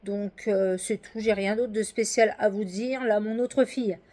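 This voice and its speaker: A woman's voice: mid-range voice, steady tone, a little slow, mellow. A middle-aged woman chatting casually in a home vlog, rambling with many hesitations. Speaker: vlogger. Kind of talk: casual daily vlog chat. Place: at home indoors.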